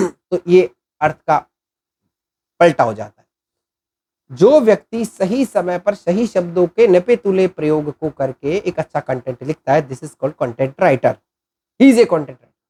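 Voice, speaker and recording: A man talks through an informal lesson at a measured, deliberate pace. He poses questions to his listeners and answers them himself, sometimes pausing to clear his throat. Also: high-pitched, expressive, dark tone. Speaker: channel host explaining content writing.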